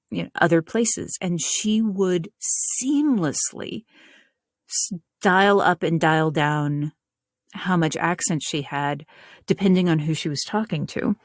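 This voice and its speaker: Low-voiced Southern woman, reflective. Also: no room sound, clean studio sound. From North Carolina, US South. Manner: reflective, talks in long winding sentences. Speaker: guest author. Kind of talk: casual interview chat.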